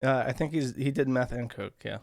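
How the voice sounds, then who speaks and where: A man's voice: mid-range voice, brisk, gravelly, no echo, clean studio sound. A man in casual conversation, telling a long, profane, rambling story. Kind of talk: casual chat.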